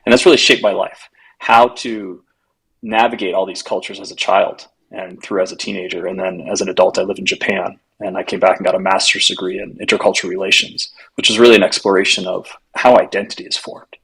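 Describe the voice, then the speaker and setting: A man with a low, gravelly voice answers in a relaxed, reflective way, building each point through rhetorical questions. His tone is husky and slightly rough. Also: a little fast, low-quality recording. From United States, raised in Latin America. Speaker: guest, culture consultant. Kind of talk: conversational interview answers.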